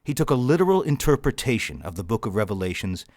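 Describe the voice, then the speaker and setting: An actor playing a grave, learned Catholic bishop in an audio drama, speaking in a measured, formal way. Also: male voice, medium pitch, sing-song, a little mellow, dry recording, clean studio sound.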